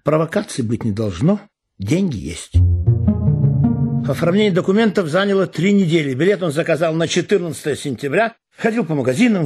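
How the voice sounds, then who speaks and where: A man, an actor, reading literary prose in a measured, expressive way with deliberate pauses. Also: a little high, breathy edge. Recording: reading over background music. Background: music.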